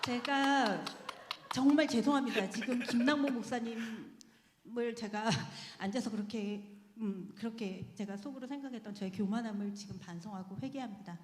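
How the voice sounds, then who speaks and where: A woman tells her personal testimony to a congregation in a chatty, earnest way, often breaking into laughter. Her voice sits fairly high. The sound rings through a large, reverberant church hall. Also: normal speed, slight background noise. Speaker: church member giving testimony. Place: church sanctuary.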